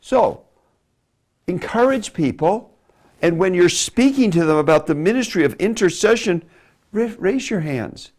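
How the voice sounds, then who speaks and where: A man giving a teaching lecture on preaching delivery, animated and demonstrative, dropping from loud emphasis to hushed asides. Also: high voice, unhurried. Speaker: Bible teacher.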